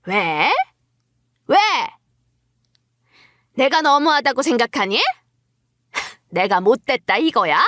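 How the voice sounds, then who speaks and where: Woman acting high-voiced, scolding older mother-in-law. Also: big pitch swings, slow pace, long pauses, fairly bright tone, no echo, clean studio sound, heavily acted. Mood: defensive. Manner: accusatory, haranguing. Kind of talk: dramatized story acting.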